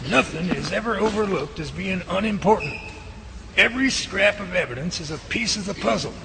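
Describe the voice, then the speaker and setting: Creaky, high-pitched genial professor, played by a man, noisy recording. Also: animated, brisk. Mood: earnest. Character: friendly, earnest male science professor running Bigfoot lab. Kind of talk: amateur radio drama acting. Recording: very noisy track, loud ambient rumble.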